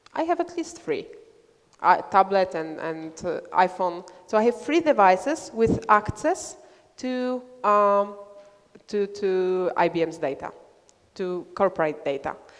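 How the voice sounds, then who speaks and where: Speaking in a Polish accent, a woman uses a medium pitch and a fairly slow pace, with very wide pitch swings and long, frequent pauses. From Poland. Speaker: software sales presenter. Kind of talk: conference presentation. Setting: seminar with audience. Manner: halting, many fillers.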